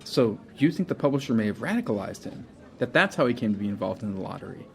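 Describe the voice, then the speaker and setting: An actor playing an earnest radio interviewer in an audio drama, asking formal, pointed questions. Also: male voice, on the low side, lively intonation, quick pace, creaky. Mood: inquiring. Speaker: interview show host.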